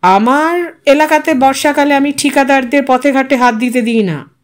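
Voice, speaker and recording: A woman's voice: high-pitched, moderate pace, close to an everyday voice. A woman voicing a self-important, bossy male local politician in a story, speaking with pompous authority.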